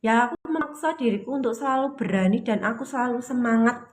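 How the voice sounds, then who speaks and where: Woman, spiritual live-stream host, chatty, repeats herself, slightly high voice. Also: quick pace. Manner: repetitive, chatty, often repeats phrases; reads viewer comments aloud. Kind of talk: casual spiritual talk to viewers.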